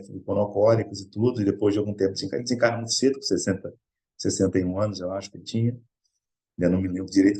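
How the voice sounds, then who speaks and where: A middle-aged Brazilian man with a Brazilian Portuguese accent shares a personal story during a Spiritist study talk, speaking earnestly and conversationally. His voice is lowish and dark in tone.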